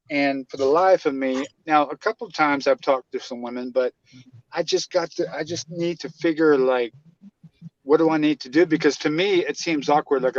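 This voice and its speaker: A man's voice: fairly high pitch, no echo. A man in his forties talks over a muffled call line in a dry, close sound. He rambles, stammering and restarting as he works through his question. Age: 40s. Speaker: caller. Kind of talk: casual group call.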